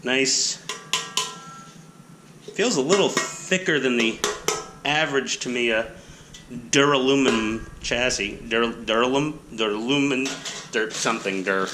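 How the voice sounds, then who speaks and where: A man's voice: mid-range voice, unhurried, pauses often, background noise. A man with a nasal voice rambling casually and self-deprecatingly while unboxing a hobby kit on an action camera. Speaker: hobby channel host.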